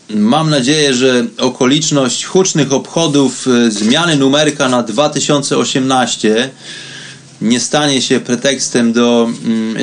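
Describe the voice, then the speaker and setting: A man hosting a spirituality radio show, giving a reflective solo monologue in a conversational way, addressing listeners directly. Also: mid-range voice.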